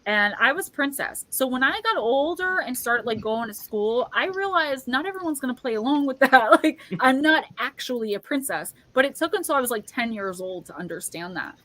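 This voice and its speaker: The same sort of chatty, rambling livestream host and tarot reader speaks in a high, pushed, bright voice, a little fast with lively intonation and hardly any pauses, saying "like" constantly in casual live chat. The recording is rough but has no room sound.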